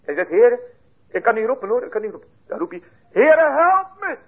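A man preaching a fervent sermon, dropping to hushed tones and then rising to loud appeals. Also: sits high, fast talker, slightly rough. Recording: tinny lo-fi sermon recording.

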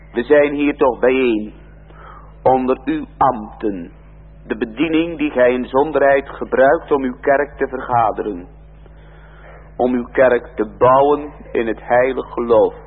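Male pastor, slow solemn pulpit prayer, husky voice, tinny lo-fi church recording. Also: medium pitch, big-room sound. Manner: slow, measured and earnest, old church diction.

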